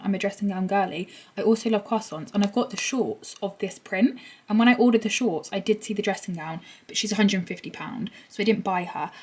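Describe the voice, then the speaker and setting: A woman's voice: mid-range voice, a bit bright. A British woman in her twenties chatting casually to camera in a bubbly, gushing, girly way, as a vlogger. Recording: distant mic, faint background noise.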